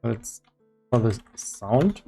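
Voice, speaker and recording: Male streamer, mid-pitched, unhurried and halting, casual work-along commentary over background music. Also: sing-song, vocal fry, mellow, husky. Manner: thinking aloud, halting. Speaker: streamer and game developer. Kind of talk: casual livestream commentary while working. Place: indoors in his own room.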